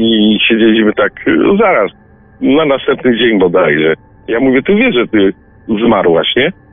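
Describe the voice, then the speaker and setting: A man at a moderate pace, with very wide pitch swings and noticeable background noise. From Częstochowa, Poland. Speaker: caller sharing paranormal experiences. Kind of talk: testimony.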